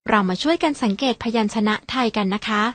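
A woman's voice: on the high side, lively intonation, quick pace, no room sound. A woman teaching a Thai language lesson to young children, speaking patiently and encouragingly as she leads them through the letters.

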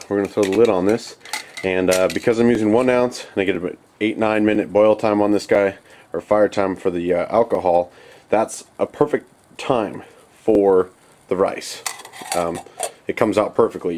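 A young man with a fairly low voice walks through a camp cooking demo in a loose, rambling way, dropping plenty of fillers as he goes. He is outdoors at night beside a small stove, close to a handheld camera. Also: slight background noise. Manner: relaxed, rambling, lots of fillers. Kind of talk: casual how-to demonstration.

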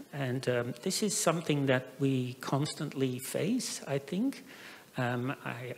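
Gravelly man presenting in a reverberant hall. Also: medium pitch. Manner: hesitant, many fillers and restarts. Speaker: professor presenting at an academic forum. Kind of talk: conference presentation. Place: conference hall. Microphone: handheld microphone.

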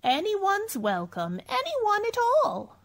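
An actress playing an eccentric little old aunt in a radio play, with a quavering voice, repeating herself abruptly. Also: female voice, very high voice, huge pitch swings, slow, creaky, full character voice. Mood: eerily welcoming.

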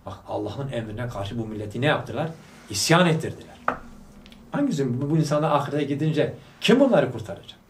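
A man's voice: medium pitch, lively intonation, fairly quick, far from the mic, slight background noise. Fervent man preaching in an echoey hall. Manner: fervent, fires rhetorical questions at listeners; prompts the audience to answer aloud. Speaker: religious study teacher. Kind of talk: religious study talk to a gathering. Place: study hall of a religious school. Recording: echoey room, voice picked up from afar.

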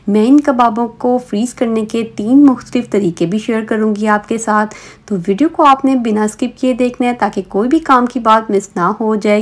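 A woman giving a conversational, step-by-step recipe voice-over, talking directly to viewers. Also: a little high. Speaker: cooking show host.

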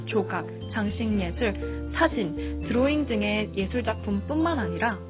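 A woman's voice: on the high side, poor audio. A young woman narrating a walking tour, speaking cheerfully and directly to her viewers. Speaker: tour guide. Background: music.

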